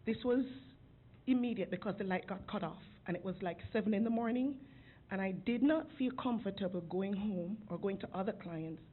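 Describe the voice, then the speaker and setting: A woman's voice: medium pitch, fairly quick. A woman making an earnest, emotional public comment at a city council podium microphone. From outside Georgia. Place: city commission chamber. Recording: phone-like lo-fi council recording with faint hiss.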